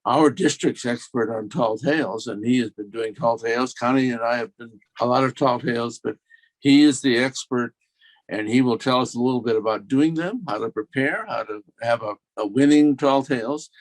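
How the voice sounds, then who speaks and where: A man with an average-pitched voice acts as host of a meeting. He speaks informally and off the cuff, in a halting way, reworking his sentences as he introduces things. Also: rough recording.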